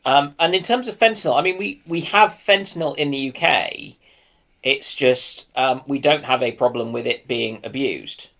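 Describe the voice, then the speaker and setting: A man, chatting casually as a panel guest in a halting, hesitant way. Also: mid-range voice, creaky, a bit bright. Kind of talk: casual chat.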